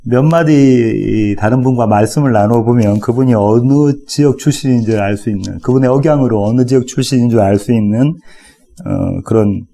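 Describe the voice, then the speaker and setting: Mellow-voiced Korean pastor preaching casually. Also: male voice, medium pitch, vocal fry. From South Korea. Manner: relaxed, conversational preaching with light humor. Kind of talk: expository sermon.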